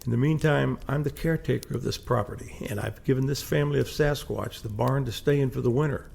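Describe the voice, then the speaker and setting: Man playing gravelly, folksy police captain. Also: medium pitch, fast, a little mellow. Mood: reassuring, friendly. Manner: folksy, drawling exclamations. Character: folksy male police captain and caretaker, easygoing. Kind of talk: audio drama acting.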